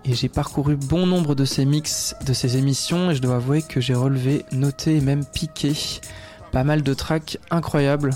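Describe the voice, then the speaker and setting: Un homme animateur de radio, qui présente son invitée sur un ton posé d'annonceur puis discute avec elle. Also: male voice, mid-range voice, steady tone, moderate pace, a little mellow, faint music behind. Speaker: radio show host. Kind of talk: radio interview, scripted intro then casual chat. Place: radio studio.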